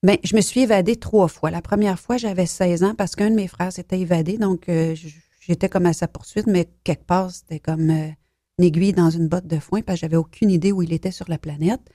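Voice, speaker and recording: A woman from Belgium speaks softly and haltingly, often trailing off into a near whisper. Her voice is fairly low and mellow. The recording is dry and close. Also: steady tone, dry recording. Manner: soft-spoken, hesitant, drops to near whisper. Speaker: author guest. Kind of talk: personal testimony in an interview.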